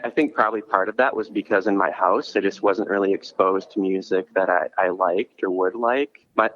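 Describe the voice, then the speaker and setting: A low-voiced Minnesotan, a podcast host and concert promoter, is a guest on a muffled phone line from a coffee shop. His voice is a bit bright, with slight background noise, and his casual storytelling rambles, restarting often and leaning on "like."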